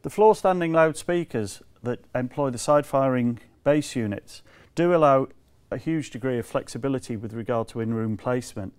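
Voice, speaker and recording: A man presents products to camera in a measured, explanatory way, stressing key words. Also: mid-range voice, darkish tone, clean tone. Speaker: company representative presenting products.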